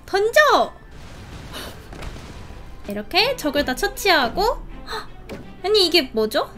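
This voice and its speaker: A young woman hosting a casual game play video, gushing and giggling with excited exclamations. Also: very high voice, takes it slowly. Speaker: game channel host. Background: game music.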